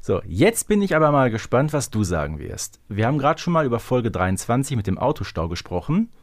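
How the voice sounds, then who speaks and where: A man's voice: mid-range voice, sing-song, fairly quick. A man from Germany's Ruhr area hosting a podcast in a casual, chatty style. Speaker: podcast host. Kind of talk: casual chat.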